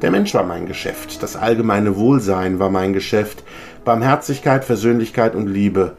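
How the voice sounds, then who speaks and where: A man voicing the tormented, chained ghost of an old business partner, speaking gravely and lamenting. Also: on the low side, expressive, normal speed, a little mellow, faint music behind. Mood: mournful.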